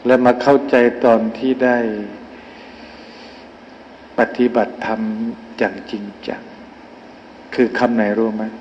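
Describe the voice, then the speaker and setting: A man's voice: medium pitch, fairly even intonation, slow, long pauses, darkish tone, a little hiss or hum. Man, monk, dharma sermon, rhetorical questions, emphatic repeats, dull reverberant hall. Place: temple hall.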